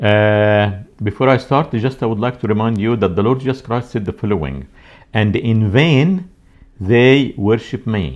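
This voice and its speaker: Over a quiet background, a man with an Arabic accent talks at a fairly slow pace. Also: medium pitch for a man, lively intonation. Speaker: Bible teacher. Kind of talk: bible study talk. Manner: halting, many fillers.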